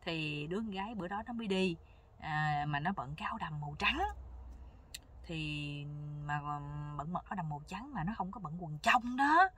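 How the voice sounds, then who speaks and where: A woman telling a comic folk tale in a casual, lively way, acting out the characters' lines. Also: fairly low pitch, normal speed, slightly rough. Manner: lively, playful, acts out every character's lines. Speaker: storyteller. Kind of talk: casual spoken folk joke storytelling.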